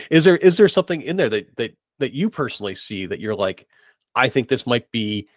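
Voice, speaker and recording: A man's voice: lowish voice, no room sound, clean studio sound. A man hosting a podcast in casual interview chat, hedging and rephrasing his thoughts as he goes. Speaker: podcast host.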